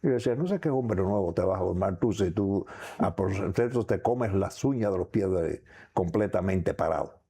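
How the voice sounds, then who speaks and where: An older man with a Cuban accent, giving reflective personal testimony as an interview guest, in halting, rambling phrases. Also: low voice, expressive, warm tone, breathy edge. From Cuba. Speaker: interview guest recounting memories.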